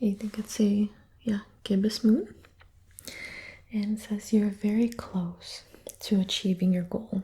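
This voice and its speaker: Soft-spoken and somewhat breathy, a woman speaks at a medium pitch and a fairly slow pace with a dark, mellow, relaxed tone and monotone, flat intonation. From Belarus-born, raised in Colorado, US. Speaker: ASMR tarot reader and reiki practitioner. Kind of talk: tarot reading, casual talk to camera. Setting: ASMR recording with tapping sounds. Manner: soft-spoken, relaxed.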